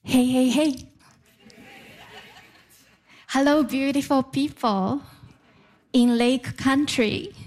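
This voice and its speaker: A woman from Japan with a noticeable Japanese accent performs stand-up before a live crowd, unhurried and deliberate in her delivery. Her voice sits a little high, and she teases the audience in a playful way. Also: a little mellow. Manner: playful, crowd work with laughs. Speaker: stand-up comedian. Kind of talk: stand-up set. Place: live comedy venue with audience.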